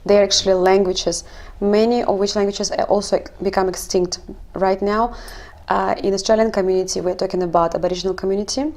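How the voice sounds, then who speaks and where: A woman from Kazakhstan, speaking English as an in a halting, explanatory way in a casual discussion. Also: mid-range voice, steady tone, darkish tone. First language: not English. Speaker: language coach and linguist.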